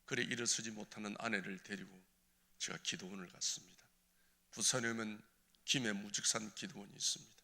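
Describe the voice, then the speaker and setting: A man giving an impassioned, tearful testimony as a church elder, swinging between hushed and crying out. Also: on the low side, fairly even intonation, fairly quick, gravelly. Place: church sanctuary. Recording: reverberant church hall.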